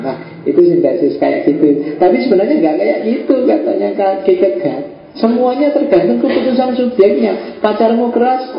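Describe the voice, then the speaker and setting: A man's voice: high-pitched, vocal fry. A man giving a philosophy lecture, explaining ideas with rhetorical questions and everyday examples. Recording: very echoey, dull lecture hall.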